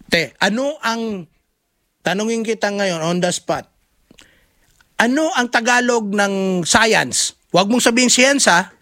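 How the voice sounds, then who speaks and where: A Filipino man in casual chat, opinionated and animated, switching between English and Tagalog. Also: high voice, measured pace, no room sound, clean studio sound. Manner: animated, opinionated, quizzes his partner.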